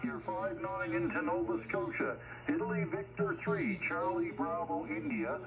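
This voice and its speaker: A man working as an amateur radio operator, heard over a shortwave radio transceiver, spelling call signs in the phonetic alphabet in clipped radio procedure, with a gravelly voice. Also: very high voice, very animated, moderate pace. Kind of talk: call-sign radio exchange. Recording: noisy, dull shortwave radio reception.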